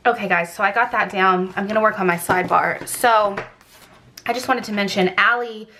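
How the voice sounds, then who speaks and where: Female vlogger, congested with a fully blocked nose and a bit scratchy, chatty and informal, medium pitch. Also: normal speed, bright, forceful tone. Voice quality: slightly scratchy throat. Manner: informal, rambling, frequent "like". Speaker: planner vlogger. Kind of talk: casual chatty craft video narration.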